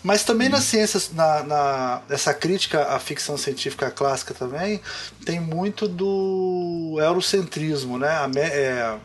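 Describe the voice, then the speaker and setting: A man's voice: fairly high pitch, lively intonation, a little slow, slight background noise. A man hosting a podcast, chatting casually and hesitantly, restarting his sentences often. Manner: hesitant, full of fillers and restarts. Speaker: podcast host.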